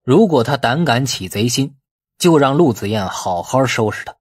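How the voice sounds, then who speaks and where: A man reading a novel aloud as expressive scripted narration. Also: medium pitch, moderate pace, husky, no echo. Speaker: audiobook narrator.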